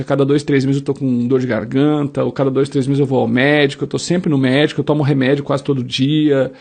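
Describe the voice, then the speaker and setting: A man's voice: mid-range voice, creaky, darkish tone. A man leads a self-help quiz, reading each statement and acting out sample answers in the first person. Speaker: motivational speaker.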